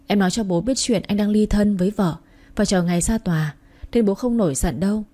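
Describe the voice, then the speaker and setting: Woman playing a pampered young mistress, coaxing, clingy, mellow, breathy. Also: mid-range voice, a little fast, close to an everyday voice.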